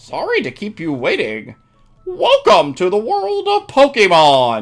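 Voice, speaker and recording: A put-on character voice at a fairly slow pace, with faint music in the background. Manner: warm, welcoming.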